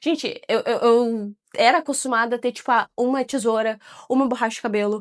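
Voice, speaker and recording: The speech moves at a moderate pace with ordinary pitch variation. The sound is dry and close with no echo, on a very clean recording with a silent background. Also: woman. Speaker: lifestyle vlogger. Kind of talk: casual vlog talk to camera. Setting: home office. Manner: clear diction.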